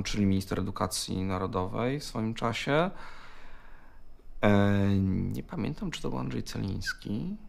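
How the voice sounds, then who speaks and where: A man's voice: lowish voice, creaky, a little mellow. A man recalling things in an interview, hesitant as he searches his memory. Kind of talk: interview recollection.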